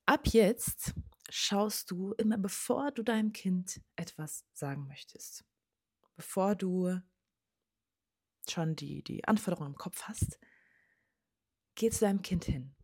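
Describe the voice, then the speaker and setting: A woman's voice: mid-range voice, animated, takes it slowly, long pauses, breathy edge. A woman, speaking directly to parents as a parenting coach in an earnest advice talk, often dropping to a near-whisper.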